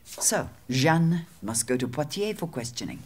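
Husky, shrewd medieval queen. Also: low voice, animated, a little slow, full character voice. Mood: wry disdain. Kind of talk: audio drama acting.

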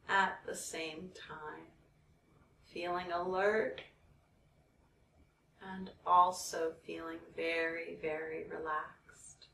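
A woman leading a guided meditation in a soothing, measured way, leaving long pauses between phrases. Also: on the low side, gravelly, fairly bright tone. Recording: roomy, distant mic, background noise.

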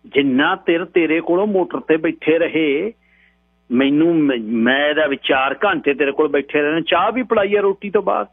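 A man's voice: fairly high pitch, normal speed, no echo, pitched above the performer's own voice. A man voicing a stern, menacing police inspector who barks orders, heard over a tinny radio broadcast with a hum. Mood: commanding. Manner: bossy, menacing, orders people about. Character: stern middle-aged male police inspector.

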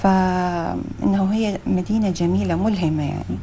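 A young woman with an Iraqi Arabic accent, a guest in a TV studio interview, talking with many pauses and fillers and slipping in English phrases. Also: on the low side, steady tone, dark tone, a little hiss or hum. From Iraq.

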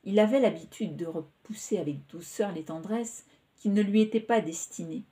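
A woman reading a literary novel aloud in a slow, measured, expressive way. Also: mid-range voice. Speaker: audiobook reader.

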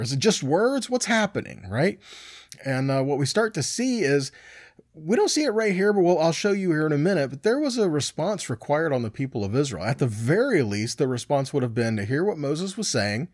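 A man in his forties teaching scripture in a conversational, animated sermon style. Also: on the high side, moderate pace, no room sound, studio quality. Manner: conversational, animated, frequent "right?" and "okay?" tags. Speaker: Bible teacher.

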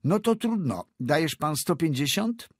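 A man's voice: on the high side, big pitch swings, unhurried, husky, no room sound, studio quality, pitched above the performer's own voice, exaggerated voice. A man voicing a blustering young squire. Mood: haggling. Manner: bluster, bargaining, mocking laughs. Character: boastful young male landowner, haggling.

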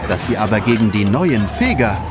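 A man tells a children's story as scripted narration. His delivery is animated, with plenty of movement in the pitch. Loud music plays behind him. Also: a little fast. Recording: music under the voice. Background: prominent music.

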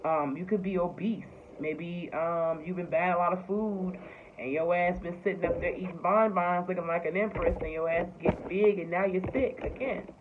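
A woman's voice: fairly low pitch, steady tone, normal speed. A woman giving a casual tarot reading, talking loosely with lots of fillers and swearing. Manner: loose, profane, filler-heavy talk. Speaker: tarot reader. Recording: tinny phone-like sound with faint noise.

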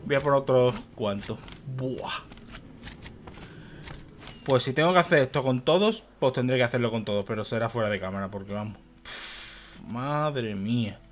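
A man's voice: mid-range voice, moderate pace, long pauses, a little hiss or hum. Exasperated man narrating gameplay. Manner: exasperated, swearing and muttering to himself. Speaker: gaming youtuber. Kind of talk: let's play commentary.

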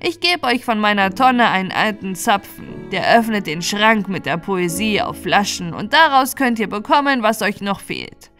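A woman's voice: medium pitch, lively intonation, moderate pace, few pauses, a bit bright. Bossy old moor witch played by a female storyteller, chatty and insistent, fairy-tale audiobook with music underneath. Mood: brisk, bossy.

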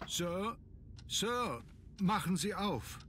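An actor playing an anxious, deferential manor butler in a video game, formal and agitated. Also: male voice, sits high, lively intonation, drawn-out words, fairly bright tone, a little hiss or hum, full character voice. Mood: agitated, distressed. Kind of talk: German video game voice acting.

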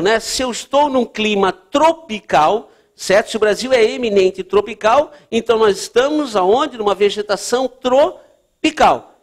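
A man teaching geography for a test-prep course, explaining at a board and checking in often with his students. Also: high voice. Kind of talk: lecture at a board.

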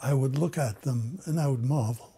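An older man whose first language is German reflects in a measured, thoughtful way during an indoor interview. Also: medium pitch, gravelly, warm tone, husky. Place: indoor office.

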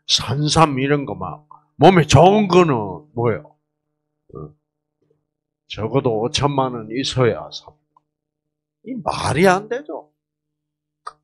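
A man's voice: mid-range voice, slight background noise. A man giving a health lecture to a live audience, quizzing the listeners with questions and jokingly slipping into regional dialects.

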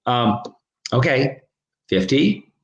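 Co-hosting a charity livestream over a video call from home, a man chats and calls auction bids in quick repetition through his webcam. His mid-range voice swings widely in pitch, the highs are cut off, and there's a roomy echo.

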